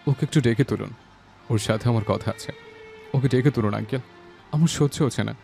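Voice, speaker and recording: A man playing an anguished young man in an audio story, pleading through overwhelming grief in a gravelly voice. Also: mid-range voice, a little fast, mellow, soft background music, lightly acted. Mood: desperate pleading. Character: grief-stricken young man pleading with his dead beloved. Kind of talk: dramatized audio story acting.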